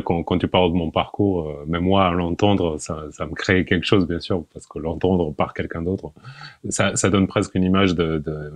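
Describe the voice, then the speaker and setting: A man in his forties, a podcast guest, talking in a relaxed, hesitant way, often repeating words and laughing. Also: low-pitched, no room sound. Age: 40s. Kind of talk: casual interview.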